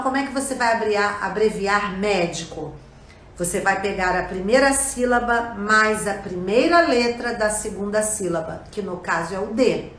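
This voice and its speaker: Brazilian woman language teacher, slow and patient, often checks in with listeners, recorded in a roomy echoey space. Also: a little high, fairly bright tone. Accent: Brazilian Portuguese. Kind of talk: explanatory lesson. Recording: echoey room.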